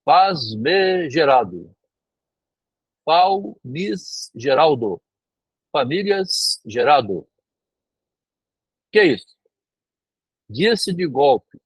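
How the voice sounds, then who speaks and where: A fairly high, husky Brazilian Portuguese male voice, heard dry and close. He works through a literary passage like a lecturer, reading a line, repeating it, then explaining it in plain words with a checking tag. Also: no echo, rough recording. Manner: rereads phrases and paraphrases them, often tagging "né?".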